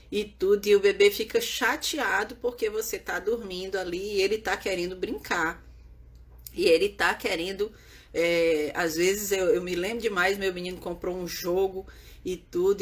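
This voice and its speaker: A woman who teaches parents about baby sleep, talking earnestly and often checking in with her listeners. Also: mid-range voice. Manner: earnest, repetitive, checks in with "né?" and "certo?". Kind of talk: explaining to viewers on camera.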